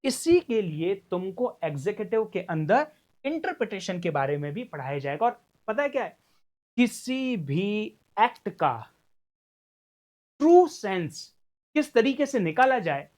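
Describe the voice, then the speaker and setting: A man's voice: high voice, sing-song, unhurried. A man giving a recorded law lecture in a conversational way, often asking his students rhetorical questions and mixing English legal terms into his talk. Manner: mixes English legal terms into Hindi speech. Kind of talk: recorded exam-prep lecture.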